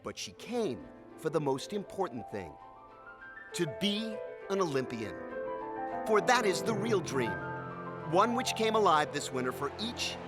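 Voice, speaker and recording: Man narrating an inspiring video, super lively voice, loud music underneath. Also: fairly high pitch, unhurried. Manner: inspirational, expressive. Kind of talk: scripted narration.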